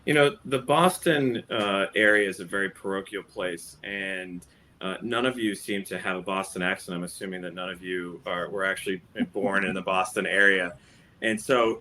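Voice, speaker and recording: A man moderating an investor panel over a video call, putting questions to the panel in a relaxed, chatty way. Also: lowish voice, moderate pace, slight background noise. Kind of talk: panel discussion.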